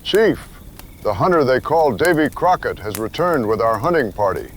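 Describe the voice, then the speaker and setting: An actor playing a dignified tribal war party leader, solemn and formal, in an audio adventure drama. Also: male voice, mid-range voice, lively intonation, normal speed, natural voice. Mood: announcing.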